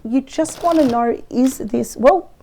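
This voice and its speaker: A woman with a weak, croaky voice from a cold, chatting through a weekly tarot reading. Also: high-pitched, a little slow, mellow, a little hiss or hum. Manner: chatty, thinks aloud over the cards. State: hoarse from a cold. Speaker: tarot reader. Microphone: close microphone.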